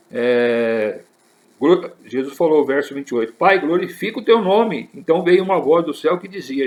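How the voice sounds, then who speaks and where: Emphatic preacher man, lively pitch. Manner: preaching with rising, emphatic repetitions, addressing the listeners as brothers. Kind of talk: sermon.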